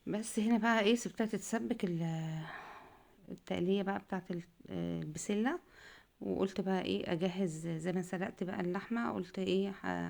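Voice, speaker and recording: Egyptian home-cook vlogger, woman, middle-aged; rambling, homely chat at a brisk clip with a gravelly voice. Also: on the low side, a little mellow. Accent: Egyptian Arabic. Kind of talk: casual cooking chat.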